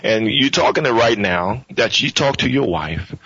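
Male radio host, husky and dry-sounding, muffled audio, loose meandering questions. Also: medium pitch, expressive, moderate pace, pushed and bright, dry recording. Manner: rambling, restarting questions. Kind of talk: interview questions.

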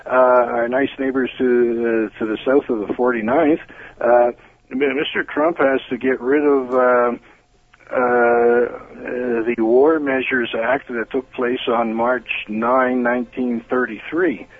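A man with a Toronto accent calling in to a radio show, talking earnestly with many "uh"s and pauses. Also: medium pitch, little pitch movement, no room sound. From Toronto, Canada. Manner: earnest, halting, many fillers. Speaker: caller. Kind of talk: call-in phone chat. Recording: tinny phone line.

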